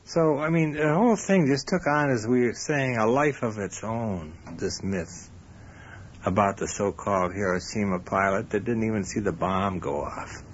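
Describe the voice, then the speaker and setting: A man giving his opinion in an unscripted interview, halting, blunt and colloquial. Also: lowish voice, a little hiss or hum. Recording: muffled interview recording.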